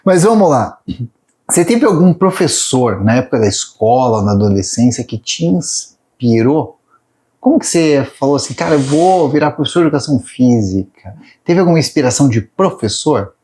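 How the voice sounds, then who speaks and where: A man's voice: mid-range voice, very animated, moderate pace, dark tone. A man hosting a podcast, telling funny stories and laughing often between questions. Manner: jokey storyteller, laughs often. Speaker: podcast host. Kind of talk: casual interview chat.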